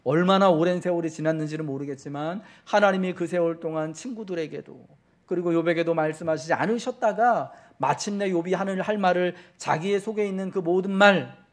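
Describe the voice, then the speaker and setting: Man preaching, fervent sermon, slightly high voice, slows and swells for emphasis, questions the congregation. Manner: addresses the congregation directly with repeated questions. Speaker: pastor.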